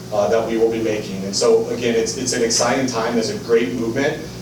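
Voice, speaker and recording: Background noise is noticeable, and audible room echo surrounds the voice. The man talks at a fairly quick pace with medium pitch. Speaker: university technology program director. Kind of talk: presentation. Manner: fast; animated.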